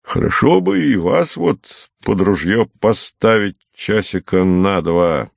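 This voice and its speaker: A man voicing a small, fierce woman nurse with a sharp, caustic, firm manner, on a dull lo-fi recording. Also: on the low side, expressive, slow, creaky, no echo, exaggerated voice.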